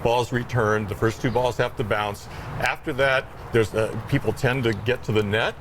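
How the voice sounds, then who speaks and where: A man's voice: mid-range voice, steady tone, moderate pace, fairly bright tone, slight background noise. A man speaking as a sports instructor, explaining things informally in a live TV interview. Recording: music playing behind the voice. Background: background music.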